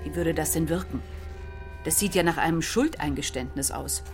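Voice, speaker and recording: A low-voiced, guarded company boss. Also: female voice. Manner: brisk, guarded. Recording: music underneath.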